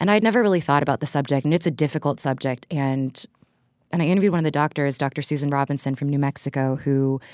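A woman with an American accent and a very deep, low pitch talks very fast, with very even loudness and ordinary pitch variation, in a very clean recording with a silent background. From Texas. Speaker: magazine writer. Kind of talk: interview conversation.

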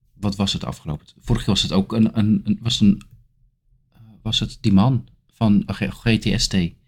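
Somewhat breathy speech at a fairly slow pace with long, frequent pauses. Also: man, fairly low pitch for a man. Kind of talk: casual chat. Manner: casual, joking.

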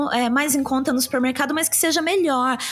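Noticeable background noise is in the recording. A woman speaks over it. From Campinas, São Paulo state, Brazil. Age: 40s. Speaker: journalist and coffee business founder. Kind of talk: casual chat.

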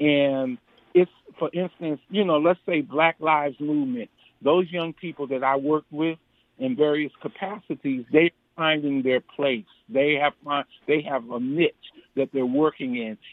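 Fairly high in pitch for a man, his a plain, everyday voice with ordinary pitch variation. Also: fairly slow pace. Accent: American. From Connecticut. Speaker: pastor and civil rights organization leader. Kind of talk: radio interview.

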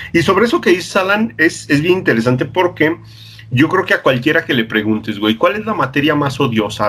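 This man rattles along at a very fast pace with noticeable background noise behind him. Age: 30s. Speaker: teacher. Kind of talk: casual chat.

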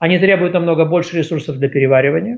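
High-pitched male speech with normal variation in pitch. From Russia. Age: 60s. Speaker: nutrition author and health consultant. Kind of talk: interview Q&A.

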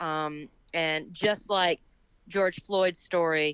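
A woman with a Southern US accent speaks at a fairly low pitch, her intonation fairly even, in a dry, close recording with no echo. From Birmingham, Alabama. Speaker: radio co-host. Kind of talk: casual chat. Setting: phone call.

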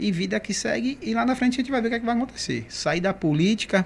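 A man speaks in an ordinary speaking voice. His pace is fairly quick and his intonation lively. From Camaçari, Bahia, Brazil. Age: 40s. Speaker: former city councillor. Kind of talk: casual interview. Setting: studio.

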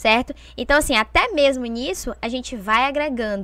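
Intonation from this woman is lively. Her pitch is high. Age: 20s. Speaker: lawyer specialising in digital law. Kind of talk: casual interview.

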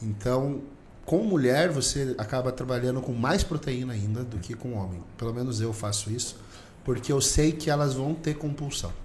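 A man speaks at a moderate pace and a medium pitch. His voice is somewhat breathy, with ordinary pitch variation. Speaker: podcast co-host.

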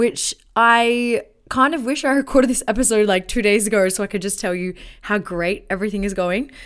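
A woman with a fairly high pitch and an Australian accent comes through on a very clean recording with a silent background. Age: 20s. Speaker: physiotherapist and podcast host. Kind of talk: solo educational talk.

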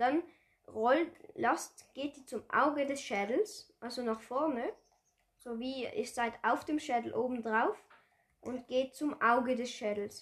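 Speaking very slowly with long, frequent pauses, a woman with a slight Swiss German accent uses a high pitch, lively intonation and big swings in loudness. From Switzerland. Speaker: gaming podcaster. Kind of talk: gameplay commentary. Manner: casual, hesitant.

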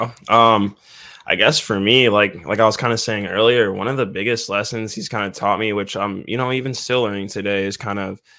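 A man's bright, sharp voice at a fairly low pitch, flat and monotone, at a moderate pace, with an American accent, on a very clean recording with a silent background. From Oak Park, Illinois, US. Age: 20s. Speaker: guest. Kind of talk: casual chat. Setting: studio.

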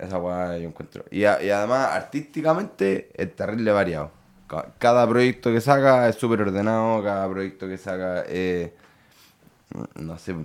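Recorded very cleanly against a silent background, a man with a Chilean accent speaks at a moderate pace. His pitch is fairly low with ordinary variation, and his loudness swings widely. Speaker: trap musician. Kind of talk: casual chat. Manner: outgoing.

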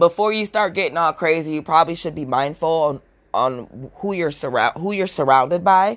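A woman with a normal speaking voice talks at a moderate pace and fairly low pitch, with ordinary pitch variation. Her loudness swings a lot. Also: very clean recording, silent background. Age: 30s. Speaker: podcast host. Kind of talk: solo podcast monologue. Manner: casual, conversational.

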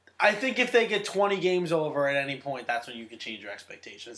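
A man's very fast speech with very wide pitch swings, over noticeable background noise. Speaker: co-host sports fan. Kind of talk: casual sports banter.

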